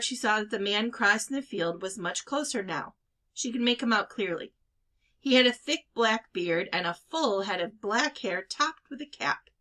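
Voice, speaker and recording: Female read-aloud narrator for children's fiction, bright and lively, expressive storytelling. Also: a little high. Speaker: storybook reader.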